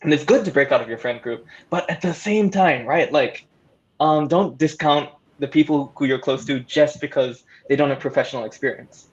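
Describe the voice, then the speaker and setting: A man's voice: fairly high pitch, normal speed, muffled recording. A man talking casually as a panelist, hesitant and thoughtful as he searches for words. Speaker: panelist, audio drama creator.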